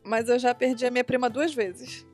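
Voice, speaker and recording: High-voiced young woman, laughing storyteller. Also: fairly even intonation, moderate pace, a little mellow, soft background music. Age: young adult. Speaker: podcast co-host discussing a book. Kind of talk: casual chat.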